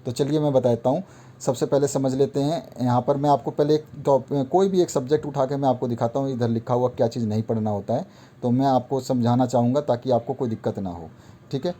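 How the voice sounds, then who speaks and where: A man's voice: medium pitch, a little fast, dark tone. A male teacher going through an exam syllabus item by item, repeating points in an instructive, patient way. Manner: repetitive, instructive, walks through a list item by item. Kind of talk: explaining a syllabus to students.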